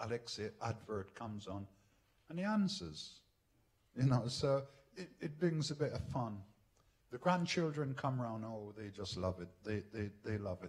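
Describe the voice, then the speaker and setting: A man with a Jamaican accent speaks at a moderate pace, somewhat breathy and with lively intonation. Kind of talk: talk at a panel event. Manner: halting.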